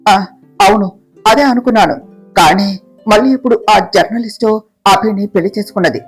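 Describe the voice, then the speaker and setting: A woman's voice: medium pitch, a little fast, breathy edge, faint music behind, close to an everyday voice. A woman voicing a frightened, scheming young woman, speaking in a raised, panicked, pleading voice.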